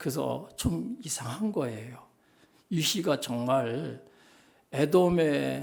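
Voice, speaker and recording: Vocal fry at a very slow pace. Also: man. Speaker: retired pastor, guest preacher. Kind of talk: sermon. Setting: church.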